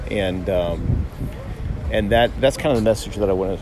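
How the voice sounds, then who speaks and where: A man's voice: on the low side, normal speed. A middle-aged American man from Miami hosting a casual, conversational podcast monologue outdoors. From Miami, United States. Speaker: podcast host, doctor. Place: outdoors by a busy city street. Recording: outdoor street noise, passing cars. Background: traffic and urban ambience.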